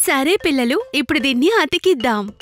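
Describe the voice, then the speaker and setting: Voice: high-pitched, animated, fairly quick, over music. An actor voicing a sensible, encouraging young character in a children's cartoon, instructive in manner. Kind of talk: animated children's cartoon acting.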